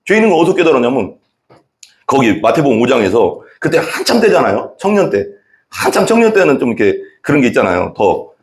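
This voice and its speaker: A male pastor preaching a sermon, telling his own testimony with animated storytelling and acting out the people in it. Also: medium pitch, fast talker.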